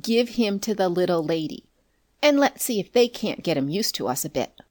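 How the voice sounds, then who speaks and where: A woman doing a low lilting gypsy woman. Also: big pitch swings, moderate pace, darkish tone. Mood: brisk. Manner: lilting dialect, wheedling. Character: coaxing adult gypsy woman, rough-spoken.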